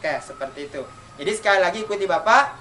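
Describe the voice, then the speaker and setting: High-voiced man teaching recitation, slow chanted examples. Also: animated, pushed and bright. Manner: asks questions and answers them himself, chants examples slowly. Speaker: elementary school Quran recitation teacher. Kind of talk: online tajwid lesson for children. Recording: distant mic, faint background noise.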